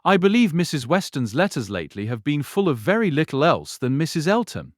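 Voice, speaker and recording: An effusive, swooping, higher-voiced gentleman. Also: very animated, brisk, no echo, clean studio sound. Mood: effusive, delighted. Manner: effusive, genteel, rambling. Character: cheerful, talkative older gentleman, proud sanguine father. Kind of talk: full-cast audiobook period drama acting.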